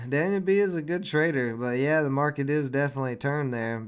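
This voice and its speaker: This is a man with a Southern US accent. His pitch is fairly high. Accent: Southern US accent, still present. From US South, Tennessee. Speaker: day trader streamer. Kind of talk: live stream commentary. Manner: pauses mid-sentence.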